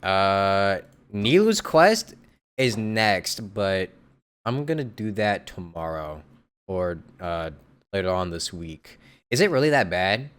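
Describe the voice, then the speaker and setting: A man talks casually while streaming a game, relaxed and quick to laugh. His voice sits on the low side. He answers his chat in a loose, chatty way. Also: clear, resonant tone. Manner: laid-back, laughs often, answers chat. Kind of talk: casual live-stream commentary.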